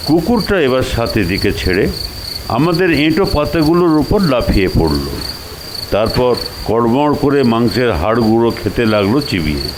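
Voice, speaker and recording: A male storyteller narrates in a lively, dramatised way, his pitch rising and falling widely as he slips into dialogue. Crickets and noticeable ambient noise sit behind his voice. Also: normal speed. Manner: expressive, acts out the dialogue. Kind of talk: dramatised first-person storytelling. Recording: noisy track with cricket and insect sounds.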